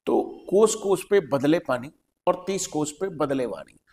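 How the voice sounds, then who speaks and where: A man with an Indian accent teaches and hosts, talking a listener through questions with patient, repeated emphasis. His voice sits somewhat high, and a long reverb hangs behind it. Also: expressive, unhurried, darkish tone. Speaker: English teacher and host. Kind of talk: explaining in a podcast interview.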